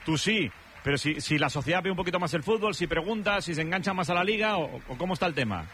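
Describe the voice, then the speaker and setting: A man from hosts a radio show in a rapid, high voice. He teases his guests and cracks quick jokes. A light hiss sits under his voice. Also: expressive, a bit bright. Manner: jokey, teasing, fast-talking. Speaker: radio host. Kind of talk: lively radio chat.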